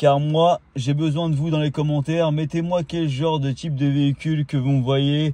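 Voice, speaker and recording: A man speaks at a moderate pace with fairly high pitch and a dark, mellow tone. His intonation stays fairly even. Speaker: car import vlogger. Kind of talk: casual vlog to camera. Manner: loud; hesitant with many fillers.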